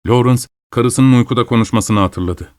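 A man narrating a suspenseful story aloud at a measured, steady storytelling pace. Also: medium pitch, no echo, clean studio sound.

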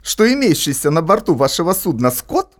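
An actor playing a formal, stiff chief port official who speaks with bureaucratic politeness. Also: male voice, a little high, sing-song, a little fast.

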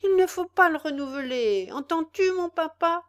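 Spoiled, wheedling young woman, pitched high and bright, read by a woman. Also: lively intonation, moderate pace. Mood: coaxing. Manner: wheedling yet commanding. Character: sly, spoiled young woman, petulant and coaxing.

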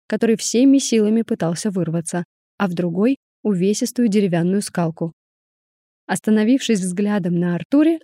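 A woman narrating a story aloud, reading each character's lines with expressive acting. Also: medium pitch, dry recording, studio quality. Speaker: audiobook narrator. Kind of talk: scripted narration with acted dialogue.

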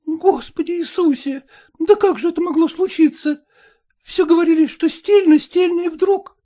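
A woman's voice: very high voice, normal speed, dark tone. A woman voicing an eager, impatient young peasant woman who presses and pleads in folksy speech. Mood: fretful.

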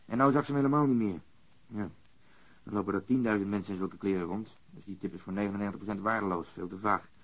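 An actor playing a sceptical, grumbling, unimpressed police detective in a radio crime drama. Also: male voice, lowish voice, fast talker, poor audio. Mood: grumbling, dismissive.

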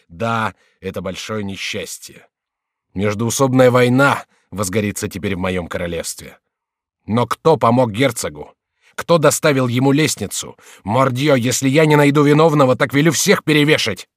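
A man's voice: fairly low pitch, moderate pace, no room sound, clean studio sound, natural voice. A man voicing a volatile, anguished adult male king in a storybook reading. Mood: agitated. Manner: agitated, imploring, wrathful.

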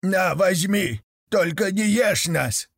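A man's voice: high-pitched, slow, no echo, studio quality, pitched above the performer's own voice, heavily acted. A man voicing a group of frightened forest devils who plead fearfully.

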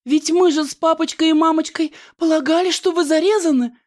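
A male reader voicing a young peasant woman in a village stage melodrama, shrill, sing-song and theatrically lamenting. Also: slow pace. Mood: melodramatic despair.

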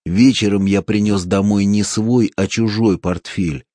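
A man voicing a calm, wry former male seminarian in an audiobook, speaking in a mocking, low-key way. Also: measured pace, dry recording.

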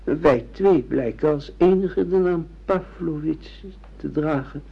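A man's voice: a little high, takes it slowly, creaky, breathy edge, heavily acted. An actor in a radio play playing a middle-aged father with memory loss, hesitant, questioning and earnest. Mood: searching, unsure. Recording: dull lo-fi radio play recording.

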